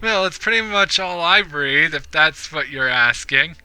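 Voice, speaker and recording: A man's voice: a little high, animated, measured pace, pushed and bright, smooth, no room sound, full character voice. A man doing a slangy party-girl ghost. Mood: laid-back. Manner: slangy, careless and sly. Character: laid-back party-girl ghost, young woman.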